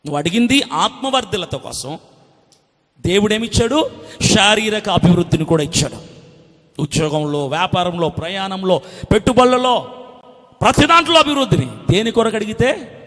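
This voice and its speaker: High-voiced impassioned man preaching. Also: very animated, moderate pace, pauses often, big-room sound. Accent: Telugu. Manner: impassioned, repetitive, rhetorical questions, swings from loud to hushed. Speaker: evangelist preacher. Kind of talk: sermon.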